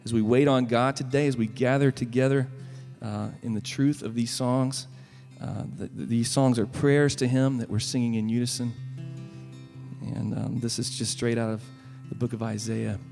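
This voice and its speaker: A man with a Southern US accent speaks earnestly and gently between worship songs as a guest worship leader, with frequent pauses. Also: medium pitch, fairly even intonation, vocal fry, faint music behind. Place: church sanctuary. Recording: long reverb from a large church hall.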